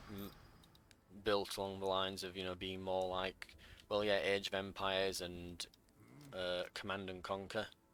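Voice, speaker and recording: A man speaks at a moderate pace with an English accent. His pitch is very deep and low, with a bright, sharp tone and flat, monotone intonation. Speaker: gaming YouTuber. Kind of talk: let's play commentary. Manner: casual, hesitant with fillers.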